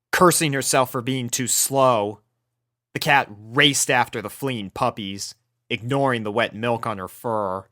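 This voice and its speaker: A narrator reading a scripted story aloud in an expressive, storytelling style. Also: mid-range voice. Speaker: fan fiction narrator.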